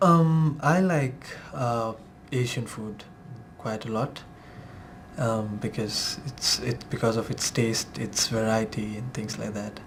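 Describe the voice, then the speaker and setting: Very slow delivery with long, frequent pauses and ordinary pitch variation. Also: man, medium pitch for a man. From Nepal. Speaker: IELTS test candidate. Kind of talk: speaking exam interview. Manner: hesitant, many fillers.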